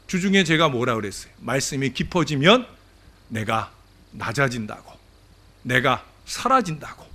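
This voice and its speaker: A male pastor delivering a Sunday sermon at a church service, speaking straight to his congregation. His voice sits a bit high, and its pitch leaps and falls in lively, emphatic swings. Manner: animated preaching, addresses the congregation directly.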